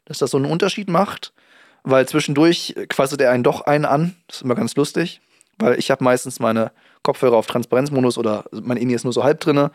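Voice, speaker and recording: A man's voice: mid-range voice, quick pace, dry recording, clean studio sound. A young man co-hosting a casual podcast, chatty and rambling, with lots of fillers and restarts. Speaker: podcast co-host. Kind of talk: casual chat.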